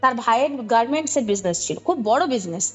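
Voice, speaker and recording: A woman's voice: a little high, lively intonation, fast, faint music behind. A woman with a Kolkata Bengali accent recounting a story conversationally, explaining as she goes and checking in with the listener. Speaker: podcast guest recounting a ghost story.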